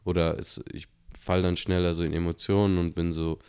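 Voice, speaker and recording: A young man hosting his own podcast, telling a story in a relaxed, slangy, rambling way with many fillers. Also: low voice, brisk, clean tone. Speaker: podcast host. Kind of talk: casual solo podcast storytelling.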